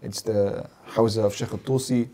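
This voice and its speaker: Speaking at normal speed in a warm, dark, somewhat low voice with a steady tone, a man in his thirties from London appears as a guest religious scholar on a podcast. His earnest explanation is emphatic, with phrases repeated in lists. The setting is a small studio with plants, and a stand-mounted desk mic picks him up.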